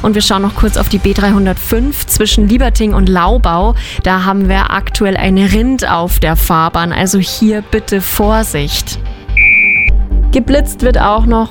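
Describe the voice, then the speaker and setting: A woman presenting weather and traffic on the radio, speaking friendly and directly to listeners. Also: mid-range voice.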